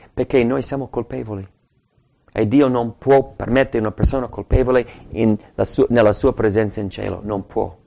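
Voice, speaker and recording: A man's voice: mid-range voice, vocal fry, a little mellow. Emphatic male preacher. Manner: emphatic, repeats key words, asks rhetorical questions. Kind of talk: sermon.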